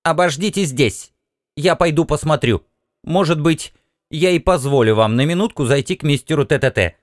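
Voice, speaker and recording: A man voicing a curt, fussy alien housewife with a sharp metallic voice, in an audiobook reading. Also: a little high, expressive, moderate pace, no room sound, studio quality, voice pushed up, natural voice. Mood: brisk. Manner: snappish, dismissive.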